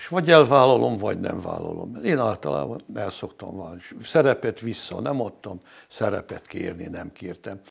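Against a quiet background, a man with vocal fry speaks at a moderate pace, his pitch swinging very widely. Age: 80s. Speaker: opera singer. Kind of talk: interview. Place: home room. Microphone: lapel.

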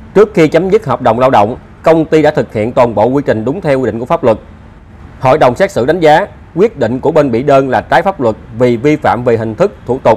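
Very fast speech with lively intonation. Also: man, medium pitch for a man. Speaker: lawyer vlogger. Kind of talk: reading a news article aloud; legal commentary.

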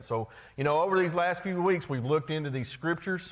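This man's fairly quick speech shows ordinary pitch variation against a quiet background. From Kentucky. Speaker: Bible class teacher. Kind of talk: Bible class lecture.

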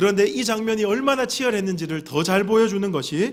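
In a room with audible echo, a man's pitch swings very widely. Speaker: pastor. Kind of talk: sermon. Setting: church.

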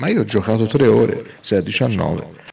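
The voice has vocal fry and lively intonation. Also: man. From Livorno, Tuscany. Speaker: Magic: The Gathering streamer. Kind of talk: casual live-stream gameplay chat. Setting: live stream with webcam.

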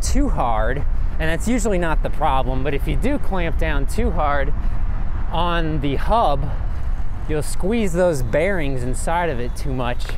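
A man speaks at a moderate pace. The sound is dry with no echo, and there is noticeable background noise. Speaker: cycling vlogger. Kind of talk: casual vlog chat. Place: bicycle. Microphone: phone near.

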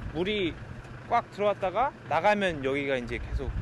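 A man is heard with a dry sound, no echo, and noticeable background noise. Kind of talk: interview answer. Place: waterside.

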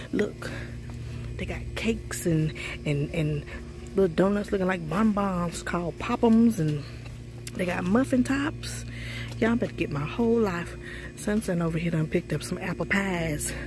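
Faint music plays behind a woman who speaks at a moderate pace with long, frequent pauses. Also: dry sound with no echo. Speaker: shopping vlogger. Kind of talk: casual vlog chat. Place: shop. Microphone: phone near.

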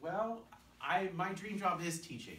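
The man's voice sits high in pitch for a man. Light background noise and audible room echo surround it. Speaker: teacher. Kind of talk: interview answer. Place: classroom. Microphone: camera far.

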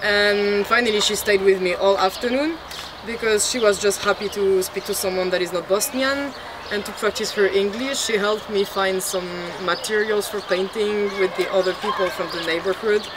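A woman speaks at a moderate pace. Behind her, noticeable background noise can be heard. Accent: French. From France. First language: French. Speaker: street artist. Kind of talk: interview. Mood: warm, relaxed, animated. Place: street.

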